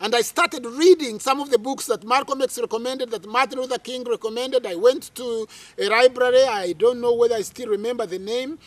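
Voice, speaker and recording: Expressive middle-aged man telling a story outdoors. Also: extremely high pitch, fairly quick, few pauses, no echo. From Uganda. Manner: expressive, dramatic storyteller with many fillers. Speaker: interview guest. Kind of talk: animated storytelling interview. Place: outdoors under a tree.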